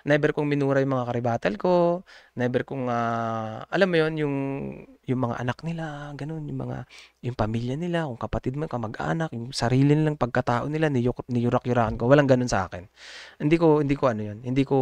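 On a dry recording, a man with a medium-pitched voice speaks to viewers as a member of a community group. His unscripted monologue is casual and polite, meandering with lots of hesitations and fillers, and he laughs often.

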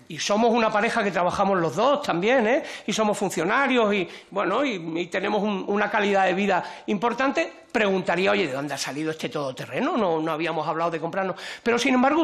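A man's voice: sits high, vocal fry, fairly bright tone. A man questioning a witness in a parliamentary committee hearing, insistent and emphatic, leaning close to a desk microphone.

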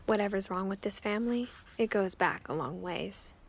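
A woman voicing a young woman who narrates her family's history in a video game, speaking softly and close to a whisper. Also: medium pitch, moderate pace, gravelly, a little hiss or hum, close to an everyday voice. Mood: calm. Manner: soft, hushed storytelling, often near a whisper.

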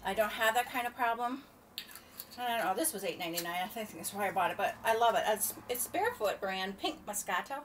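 Brisk and animated, with a mid-range voice, an older woman rambles and grumbles to camera from her home kitchen in a casual vlog. She's recorded by a laptop webcam a few feet off. The distant mic catches faint room noise.

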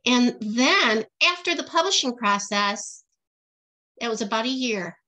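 A middle-aged woman talks casually as a guest author on a video call. Her voice sits slightly high and has a bright, forward tone. She explains herself in simple terms suited to young listeners. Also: lively intonation, unhurried. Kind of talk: casual question-and-answer chat for children. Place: small indoor room at home. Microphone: computer mic on a video call.

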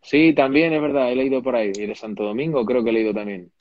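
Chatty Madrid actor on a video call. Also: male voice, mid-range voice, fast, dry recording, dull audio. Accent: Castilian Spanish. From Madrid, Spain. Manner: animated, chatty, with many restarts. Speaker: actor, interview guest. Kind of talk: casual interview over video call. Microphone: video call, laptop or phone mic.

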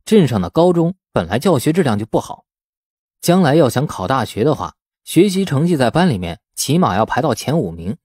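A man's voice: medium pitch, very animated, fairly quick, a little mellow, husky, dry recording, studio quality. A man voicing a young man who questions a teenager like a concerned elder in an audiobook. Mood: mock elderly concern. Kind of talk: audiobook character dialogue.

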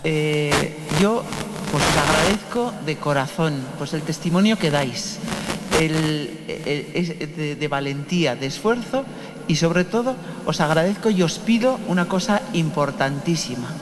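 A middle-aged man with an accent from Spain, a priest speaking and praying at Mass in an echoing cathedral, sometimes halting and repeating words. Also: on the high side, expressive. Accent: Spanish from Spain. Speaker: Catholic priest leading Mass. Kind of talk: homily and liturgical prayer. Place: large stone cathedral, indoors. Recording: long cathedral echo with noise.

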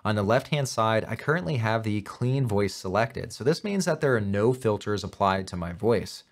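Upbeat man narrating a software tutorial. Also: on the low side, expressive, normal speed. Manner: upbeat, clear instructional delivery. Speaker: tech tutorial host. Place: home office.

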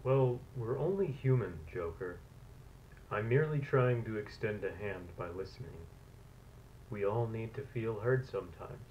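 An actor playing an earnest, patient psychiatrist with a formal, measured, clinical manner in an analog horror drama. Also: male voice, lowish voice, close to an everyday voice. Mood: concerned, probing. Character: earnest, patient male psychiatrist interviewing an inmate. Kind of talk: scripted analog horror acting. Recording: muffled, noisy old tape.

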